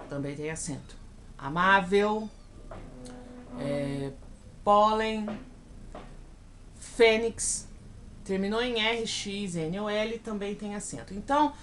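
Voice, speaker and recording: A woman with a Brazilian Portuguese accent teaching in a recorded video lesson, slowly spelling out example words and often checking in with her students. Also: mid-range voice, a little hiss or hum. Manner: checks in with frequent "tá bom?".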